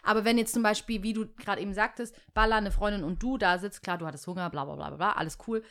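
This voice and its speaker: A woman's voice: mid-range voice, fast, fairly bright tone. A woman co-hosting a casual conversation, speaking thoughtfully and hedging her views. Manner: thoughtful, hedging, with frequent agreeing murmurs. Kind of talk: casual chat.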